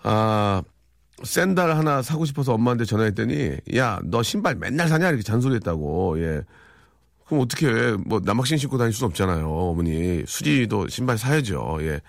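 A man's voice: lowish voice, expressive, fairly quick, vocal fry, no room sound. A man hosting a radio show in a studio, chatting playfully and rambling through listener messages with many fillers. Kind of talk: casual radio chat reading listener texts.

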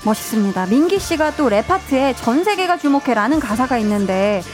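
A woman's voice: sits high, sing-song, brisk, music in the background. A woman hosting a radio interview, reacting often and reading out listener messages. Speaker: radio host.

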